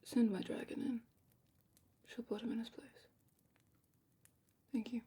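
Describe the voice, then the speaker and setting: A woman playing a calm, attentive dragon matchmaker in a slow, whispered ASMR roleplay with thoughtful pauses. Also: a little high. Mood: quietly authoritative. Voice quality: breathy, whispery. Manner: slow, gentle, thoughtful questioning with murmured pauses. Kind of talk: soft-spoken ASMR roleplay, largely whispered.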